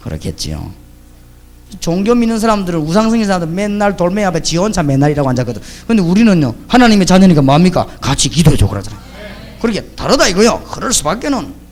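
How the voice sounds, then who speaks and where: A middle-aged man, preaching a sermon as a pastor and telling lively stories in which he acts out the people he quotes. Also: sits high, fast talker. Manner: lively storytelling, acting out the voices of the people he quotes.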